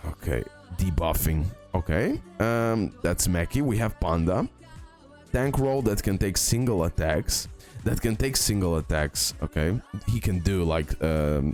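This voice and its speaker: Guy with a lowish voice chatting thru a game tier list, informal, repeats stuff, music behind him. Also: lively intonation, unhurried, darkish tone. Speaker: gaming content creator, host. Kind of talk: casual gaming commentary over a tier list. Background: background music.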